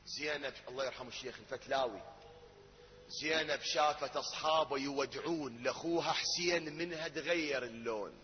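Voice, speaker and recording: A man with an Iraqi accent reciting a religious mourning elegy, moving between spoken narration and wailing, drawn-out sung lines. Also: mid-range voice, a little hiss or hum. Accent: Iraqi Arabic. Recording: echoey hall, dull lo-fi sound.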